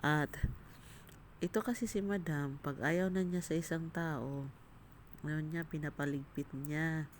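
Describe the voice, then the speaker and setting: At a very slow pace, a woman speaks with a very deep, low pitch. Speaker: vlogger. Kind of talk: casual movie plot retelling. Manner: halting.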